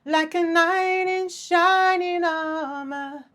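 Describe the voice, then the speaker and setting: A woman's voice: very high-pitched, steady tone, extremely slow, fairly bright tone. A woman in her thirties doing a casual tarot reading, gushing and affectionate, her voice worn and partly lost. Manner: gushing, affectionate, with frequent laughs. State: losing her voice. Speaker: tarot reader.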